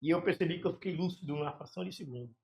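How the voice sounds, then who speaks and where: A man, a pastor telling his conversion story with fervor, in pauses and restarts. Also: a little high, vocal fry, a little mellow. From São Paulo area, Brazil. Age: 60s. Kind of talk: emotional conversion testimony in a casual chat. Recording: echoey room.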